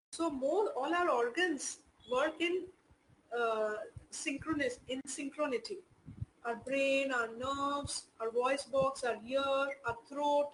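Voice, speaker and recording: A woman's voice: high-pitched, a little hiss or hum, poor audio. A woman teaching an online class in Indian English, explaining patiently with many "you know" fillers.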